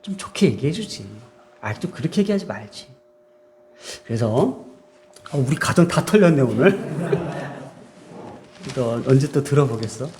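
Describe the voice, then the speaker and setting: A man's voice: medium pitch, animated, measured pace, long pauses, a little mellow, a little hiss or hum. A middle-aged man preaching a sermon to his church, chatty and self-deprecating, acting out little quoted exchanges. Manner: conversational, self-deprecating preaching with asides and laughs; acts out short quoted exchanges in varied tones. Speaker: pastor.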